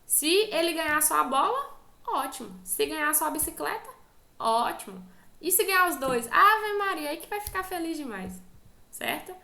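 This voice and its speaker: A woman's voice: high voice, gravelly, bright, forceful tone, roomy sound. A woman teacher with a Brazilian Portuguese accent, giving an online class lecture and patiently explaining step by step while checking in with her students.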